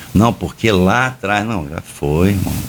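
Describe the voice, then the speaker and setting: Against noticeable background noise, a man with a very deep, low pitch makes very wide pitch swings. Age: 50s. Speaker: senior pastor and writer. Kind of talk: podcast interview, casual preaching talk. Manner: animated.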